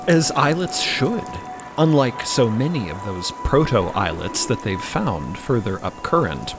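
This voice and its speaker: A male narrator tells a scripted story with deliberate care. His medium-pitched voice moves expressively and slowly. Prominent music plays underneath. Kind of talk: scripted fiction podcast narration.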